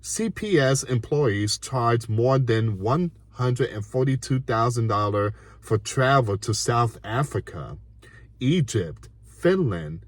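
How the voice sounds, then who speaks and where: Indignant guy from puerto rico reading news slow, lots of restarts, dry mic. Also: mid-range voice, dry recording. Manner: indignant, reads slowly with frequent asides and restarts. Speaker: news commentary host. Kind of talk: reading and commenting on a news article.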